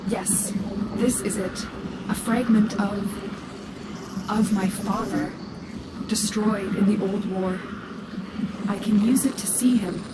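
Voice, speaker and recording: An actress playing a grave, guarded mission guide in a science-fiction game, measured and serious, with an urgent edge. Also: female voice, medium pitch, steady tone, heavy background noise, close to an everyday voice. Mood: troubled. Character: grave, guarded female guide to young warriors. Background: loud music.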